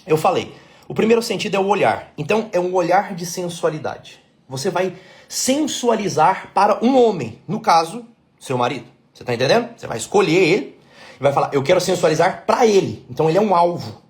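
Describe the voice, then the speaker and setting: A middle-aged Brazilian man, a couples therapist, giving a blunt, emphatic lesson to women, repeating his key points and checking that they follow. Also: high voice. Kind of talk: talking-head lesson.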